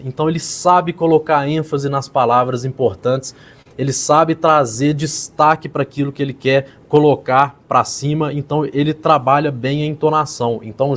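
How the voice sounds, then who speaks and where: A man, a public speaking coach, casually explaining and critiquing a politician's speech as he pauses the clip. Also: a little high. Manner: explanatory, pauses clips to critique, repeats "então". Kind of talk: casual video commentary.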